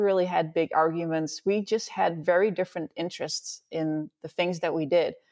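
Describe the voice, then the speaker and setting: A woman with a Dutch accent, fairly low pitch and fairly even intonation. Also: very clean recording, silent background. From Netherlands. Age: 30s. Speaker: professional mountain biker. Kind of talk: casual interview.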